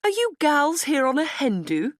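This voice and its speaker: A woman's voice: sits high, wildly swooping pitch, normal speed, dry recording, clean studio sound, voice pushed up. A woman voicing a breezy posh woman in her sixties for an audiobook, trilling, exclamatory and cheerfully gloomy. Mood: chirpy trilling. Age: 60s.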